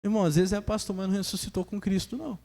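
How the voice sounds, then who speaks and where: A man with a Brazilian Portuguese accent preaching a sermon as pastor, lively, calling on the congregation to say amen. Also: high voice, very fast, gravelly. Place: church hall. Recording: long church reverb.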